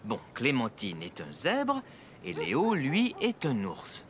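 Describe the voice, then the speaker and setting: A man's voice: medium pitch, wildly swooping pitch, takes it slowly, noisy background. A man voicing a helpful, easygoing father in a French children's cartoon. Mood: thoughtful.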